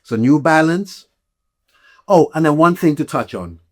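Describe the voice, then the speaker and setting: His pitch fairly high and intonation lively, a man from Malawi explains gear to podcast listeners at a slightly slow pace. The talk is casual and emphatic, with frequent check-ins with the audience.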